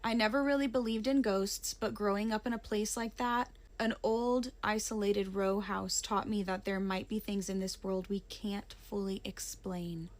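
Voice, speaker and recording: A woman with a Southern American lilt reads a submitted ghost story aloud. Her voice sits at an ordinary middle pitch, and she drops to a hush for the eerie parts. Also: steady tone, normal speed, hardly any pauses. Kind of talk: reading a listener's story aloud.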